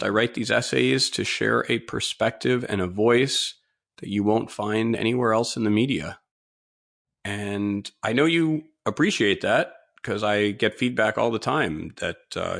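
A man's voice: lowish voice, vocal fry, fairly bright tone. Slightly congested man talking solo. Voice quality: slightly congested, stuffy nose. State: mild nasal congestion from a cold-like illness. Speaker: podcast host. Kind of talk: solo opinion podcast monologue.

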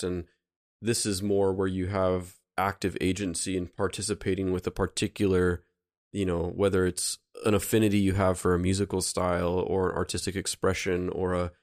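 A man hosting a reflective conversation, calmly laying out an idea and checking in with "right?" as he goes. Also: low voice, moderate pace. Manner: calm, explanatory, often checks in with "right?". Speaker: host.

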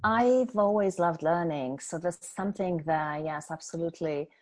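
A woman in her forties from Poland with a Polish accent, speaking as an interview guest in a thoughtful, measured way with frequent pauses. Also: lowish voice, a little mellow, dry recording. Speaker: guest, culture consultant. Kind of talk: reflective interview conversation.

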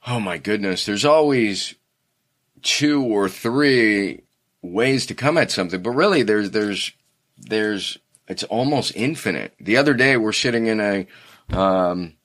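Slow, low-voiced man telling a story. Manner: rambling, self-correcting storyteller. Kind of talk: casual conversation.

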